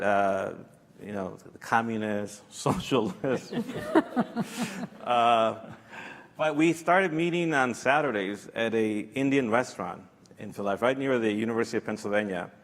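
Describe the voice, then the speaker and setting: A man telling stories on a panel in a lively way, laughing readily. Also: fairly low pitch, a little slow. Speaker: panel speaker. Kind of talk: storytelling on a panel. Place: lecture hall. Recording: reverberant lecture hall.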